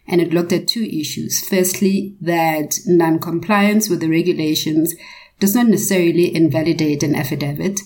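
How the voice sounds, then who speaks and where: A woman's voice: deep voice, mellow. A woman speaking formally and carefully, explaining points in a prepared legal panel discussion.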